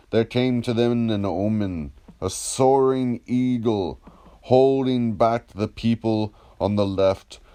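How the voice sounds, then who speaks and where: A man reading the part of a patient, ironic, probing philosopher in a dramatised dialogue, in a measured, declamatory, questioning manner. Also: on the low side, dark tone, clean tone. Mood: solemn recitation.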